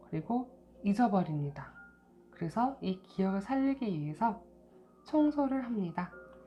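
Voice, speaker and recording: Over music in the background, a woman at medium pitch speaks at a moderate pace with very wide pitch swings. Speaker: book reviewer, video creator. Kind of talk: book review talk.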